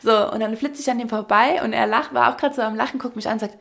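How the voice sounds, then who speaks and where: A young woman co-hosting a podcast, telling a story in lively casual chat and acting out quotes. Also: fairly high pitch, quick pace, creaky. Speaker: podcast co-host.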